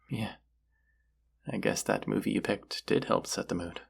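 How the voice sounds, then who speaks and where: Man acting a husky, very gravelly young romantic crush. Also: heavily acted. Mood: tender, confessing. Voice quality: husky, breathy, gravelly low voice. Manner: slow, hushed, teasing, trailing pauses. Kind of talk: intimate romantic audio roleplay.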